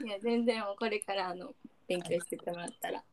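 A woman's voice: mid-range voice, fast talker, background noise. A woman with a Kansai accent co-hosting a casual podcast chat, laughing often and teasing playfully. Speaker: podcast co-host.

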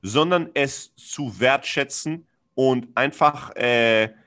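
Brief: adult man, reflective chat, halting delivery full of fillers, candid and earnest. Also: medium pitch, fairly bright tone, smooth. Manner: searching, halting, with many fillers and restarts; earnest and frank, with blunt slang. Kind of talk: reflective podcast conversation.

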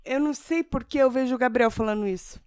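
A mother in casual comedic chat, animated and jokingly dramatic. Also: a little high, quick pace, smooth, no echo, clean studio sound. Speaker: mother, podcast co-host.

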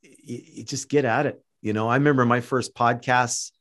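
A man's voice: medium pitch, fairly even intonation, moderate pace, a bit bright. A man with a Canadian accent hosting a podcast, talking casually and encouragingly to a guest, with many fillers and restarts. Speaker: podcast host. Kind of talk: casual interview chat.

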